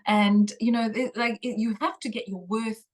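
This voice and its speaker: A woman's voice: on the high side, fairly even intonation, moderate pace, a little mellow. A middle-aged woman from South Africa, a tarot reader speaking as a guest on a video call interview, earnest and emphatic with the odd mild swear word. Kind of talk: conversational interview.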